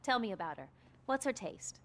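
A woman's voice: mid-range voice, very animated, normal speed, fairly bright tone. An upbeat jewelry saleswoman. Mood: courteous. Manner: smooth, upbeat sales patter. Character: polished female jewelry saleswoman, eager to sell. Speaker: jewelry store clerk.

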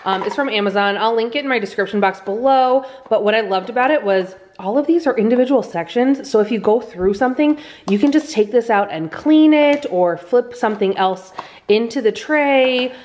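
A woman's voice: a little high, moderate pace, a little mellow. A woman in her thirties narrating a casual home cooking vlog as she explains her meal prep. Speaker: lifestyle vlogger and home cook. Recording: music behind the voice. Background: background music.

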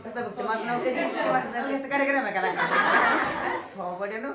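The speaker is a schoolteacher, a woman with a Marathi accent, whose slightly high voice moves at a moderate pace as she playfully teases and quizzes children call-and-response style in a grammar lesson. Heavy background noise from a loud crowd fills the echoey classroom, where children's voices can be heard.

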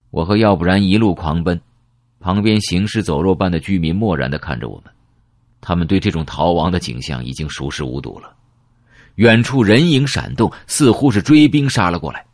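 A man's voice: low-pitched, dry recording. A man reading a novel aloud in dramatic first person, telling the story vividly and expressively into a close mic. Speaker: audiobook narrator.

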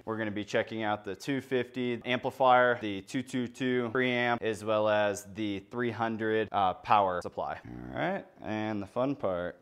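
A man's voice: fairly low pitch, clean tone. A young adult man presenting an unboxing in a casual, informal and enthusiastic way. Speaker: product presenter.

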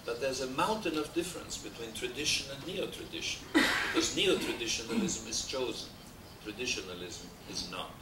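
A man's voice: mid-range voice, animated, normal speed, few pauses. Older Austrian man lecturing with dry humor. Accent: Austrian German. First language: German. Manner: discursive, frequent hesitations, dry humor. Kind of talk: academic lecture. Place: wood-paneled lecture hall. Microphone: desk mic on stand. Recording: roomy, distant, noisy VHS transfer.

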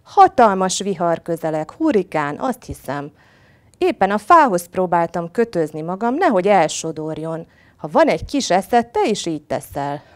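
A woman's voice: fairly low pitch, very animated, a little mellow. A woman voicing a clever male rabbit in a storybook tale, urgent and coaxing. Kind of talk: storybook reading.

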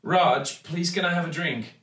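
A man's voice: on the high side, measured pace, a bit bright, voice pushed up. A man voicing a small, flustered young girl who speaks hesitantly and awkwardly. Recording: echoey, distant mic.

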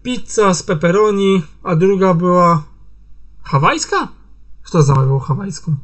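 A man's voice: sits high, expressive, measured pace. A man reading his own fan fiction aloud in a loose, casual manner, with slang and heavy swearing. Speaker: amateur fan fiction reader. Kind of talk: casual story narration.

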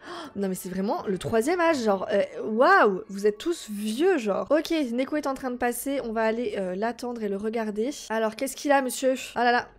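A woman's voice: on the high side, fairly quick. A woman in her twenties chatting casually through a life-sim game as a YouTuber, playful and full of teasing asides to her viewers. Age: 20s. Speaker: gaming YouTuber. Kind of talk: casual gameplay commentary.

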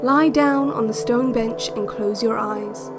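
Loud ambient music surrounds a calm, controlling woman on an institute's relaxation cassette. She guides the listener very slowly, with deliberate pauses and measured authority. Her voice sits a little high, in the style of an audio drama. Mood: calm, instructive. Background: ambient new-age music.

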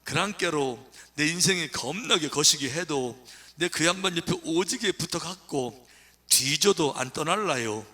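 A man voicing an earthy man with a Jeolla dialect, reciting a psalm in a loud, drawling, folksy way. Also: a little high, lively intonation, unhurried, full character voice. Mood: hearty.

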